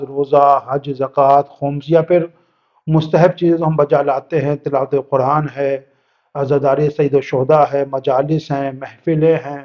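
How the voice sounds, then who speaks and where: A man's voice: on the high side, lo-fi sound. A male cleric giving a religious lesson, explaining step by step, mixing English words in and repeating points for emphasis. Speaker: Islamic cleric teaching religious rulings.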